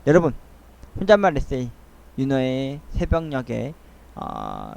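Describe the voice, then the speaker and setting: A middle-aged man rambling through a soliloquy-style audio essay, speaking in a halting, earnest and wistful way. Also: mid-range voice, huge pitch swings, creaky, warm tone. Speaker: host of a monologue essay channel.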